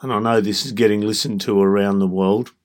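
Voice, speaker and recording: A man in his fifties with an Australian accent, hosting a reflective solo podcast in a measured, deliberate way, breaking his thoughts into short phrases. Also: lowish voice, steady tone. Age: 50s. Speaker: podcast host.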